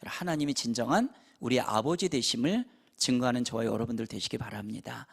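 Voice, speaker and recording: A man's voice: mid-range voice, brisk, vocal fry, breathy edge. A man in his fifties, a pastor, preaching a revival sermon in a church and telling stories as he acts out parents and children. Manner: animated storytelling, acting out parents and children. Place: church sanctuary.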